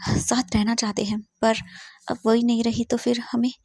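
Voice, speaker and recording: A woman's voice: a little high, level tone, normal speed, warm tone, slightly rough, no room sound, clean studio sound. A woman voicing a group of humble household servants who speak plainly and apologetically. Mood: apologetic.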